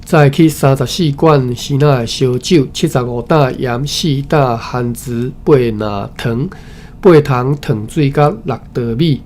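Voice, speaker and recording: Presenting a study session, a man with a Taiwanese accent reads a historical text aloud in a halting way, often repeating phrases and tossing in informal asides. His voice is medium-pitched and a little mellow. The recording is clearly noisy, with background ambience.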